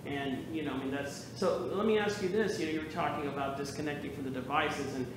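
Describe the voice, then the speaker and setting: A man's voice: fairly high pitch, fast talker. A male talk show host interviewing a guest, chatty and affirming as he builds his questions. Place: theater stage. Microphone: far camera. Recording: echoey stage from far off with noise.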